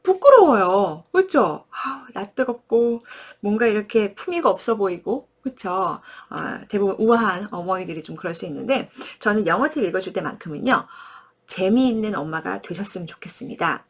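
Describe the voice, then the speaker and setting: Brief: woman in her thirties, warm-toned presenter-mom, wide-ranging expressive pitch, acts things out for parents. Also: normal speed. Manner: animated, acts out words with lively gestures and sounds; often checks in with listeners by asking "right?". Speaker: early-childhood education presenter. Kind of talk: friendly parenting lesson.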